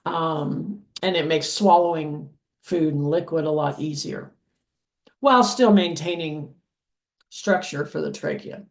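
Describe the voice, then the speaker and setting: A woman with a deep voice for a woman, teaching anatomy in a patient lecture style, checking in with "okay?" and filling pauses with "um". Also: gravelly. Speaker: anatomy instructor. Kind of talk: slow explanatory lecture over diagrams.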